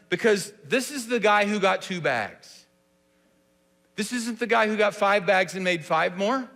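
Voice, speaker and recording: Male preacher, casual sermon delivery, bright and forceful, lots of questions to the room. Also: high-pitched, in a large hall. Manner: conversational, rhetorical questions, many "like"s. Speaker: pastor. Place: church sanctuary.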